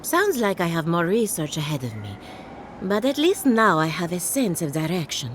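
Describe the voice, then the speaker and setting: Morbidly cheerful female necromancer, fantasy game. Wry, theatrical, lively intonation, slight background noise. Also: lowish voice, moderate pace. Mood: coaxing, intrigued. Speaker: game character. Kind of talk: scripted video game dialogue.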